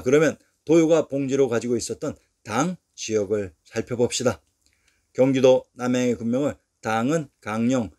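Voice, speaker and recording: Going through lists item by item, a man reads history narration from a script in a medium-pitched voice with an even, measured manner.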